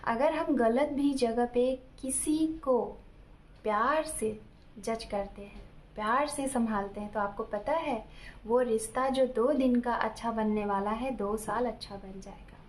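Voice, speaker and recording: High-pitched lady tarot reader chatting advice to viewers, lots of examples, keeps checking in. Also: unhurried. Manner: explains with everyday examples, often checks in with "ठीक है"; addresses viewers directly. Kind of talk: casual relationship advice talk.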